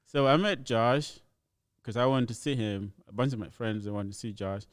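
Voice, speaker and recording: A man's voice: medium pitch, steady tone, moderate pace, no room sound, clean studio sound. A young man from Ethiopia, chatting easily as a comedian guest on a podcast and laughing often. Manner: easygoing storyteller, laughs often. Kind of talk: casual podcast chat.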